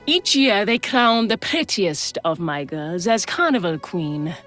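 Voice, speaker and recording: A worldly brothel madam for a video game. She is mid-pitched, wry and theatrical, coaxing yet protective, with soft music underneath. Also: animated, measured pace. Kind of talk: scripted game dialogue.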